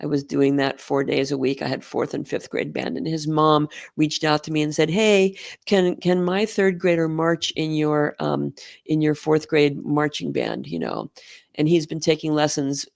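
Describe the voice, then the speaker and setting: Speaking at a normal pace with some vocal fry, a low-pitched middle-aged woman chats as a guest in an interview. She's a school band director from Oregon, US, who tells stories warmly and laughs easily, captured in studio quality without echo.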